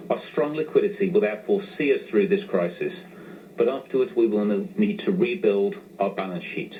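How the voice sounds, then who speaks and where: A man with a fairly low voice reads a scripted financial presentation as a company executive. His delivery is formal and measured, and the sound is narrow and phone-like with some noise. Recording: tinny phone-line sound with clear noise.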